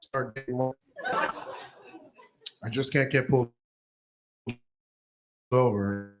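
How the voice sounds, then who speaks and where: A man's voice: medium pitch, fairly even intonation, slow, poor audio. A man from Egypt doing a stand-up comedy routine, playful and punchy, sometimes putting on other people's voices. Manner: playful, punchy delivery with put-on voices for hecklers.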